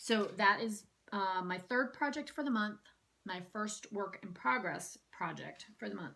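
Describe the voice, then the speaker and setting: Here a woman talks at a medium pitch in a bright, sharp tone. Her intonation is lively, and her loudness swings widely. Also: fairly slow pace. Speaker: cross-stitch vlogger. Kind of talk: casual chat. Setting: home recording by a window.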